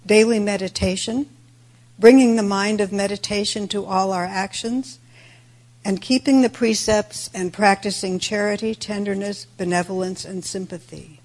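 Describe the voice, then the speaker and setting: A woman with a raspy voice, a little worn today, giving a reflective Buddhist dharma talk in measured, deliberate phrases. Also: mid-range voice, fairly even intonation, darkish tone. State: raspy voice today with throat clearing. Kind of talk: sermon, reflective religious talk.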